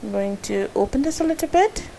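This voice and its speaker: A woman's voice: on the high side, expressive, fairly quick, gravelly, mellow, a little hiss or hum. A woman whose first language is Urdu, doing a slightly nervous voice-over for a jewelry-making tutorial, with frequent fillers and self-corrections. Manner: a little nervous. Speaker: craft tutorial host.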